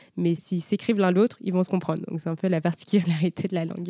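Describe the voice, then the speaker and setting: A woman speaks at a medium pitch with a dark, mellow tone and fairly even intonation. The recording is very clean and dry, close with no echo, against a silent background. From Paris, France. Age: 30s. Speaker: author and innovation director. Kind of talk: interview.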